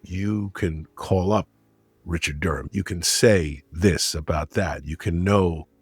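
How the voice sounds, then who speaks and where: Male interview guest, very low and husky, explanatory and conversational, dry sound. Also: slow pace, no echo, faint music behind. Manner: explanatory, uses examples and rhetorical questions. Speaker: guest, media critic and broadcaster. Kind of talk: conversational interview, giving advice.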